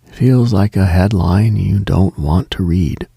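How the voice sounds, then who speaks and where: A man hosting a late-night radio show, speaking a slow reflective monologue in a hushed, half-whispered delivery. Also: deep voice, gravelly, slightly rough, no echo, clean studio sound.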